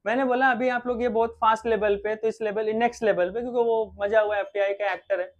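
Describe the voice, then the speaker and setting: A man teaching an online acting class, explaining at a relaxed pace with many fillers and repeats. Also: sits high, quick pace, highs cut off.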